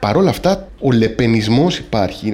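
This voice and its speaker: A man talks in a normal speaking voice. His pace is moderate. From Greece, Athens. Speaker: writer. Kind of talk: interview.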